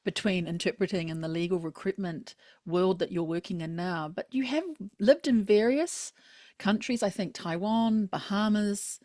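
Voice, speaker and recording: A woman's voice: medium pitch, normal speed, warm tone, no room sound, clean studio sound. A woman hosting an interview, enthusiastic and affirming with her guest. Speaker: podcast host. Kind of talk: interview conversation.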